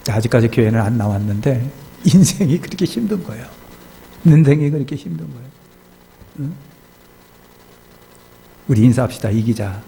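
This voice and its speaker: Korean pastor preaching with gravelly voice. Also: male voice, a little hiss or hum, rough recording. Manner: animated storytelling, acting out distressed congregants with high crying voices. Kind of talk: sermon with acted anecdotes. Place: church sanctuary.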